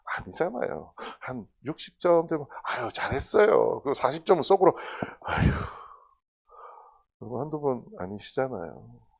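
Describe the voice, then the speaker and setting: Woman, pastor, sermon in a church, animated storytelling, very lively pitch, loud bursts and hushed asides. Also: fairly quick, gravelly, breathy edge. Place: church sanctuary.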